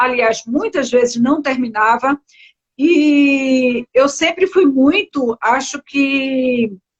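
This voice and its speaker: A woman speaks at a high pitch with a strong Pernambuco accent. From Pernambuco, Brazil (Recife). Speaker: entrepreneur. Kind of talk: interview.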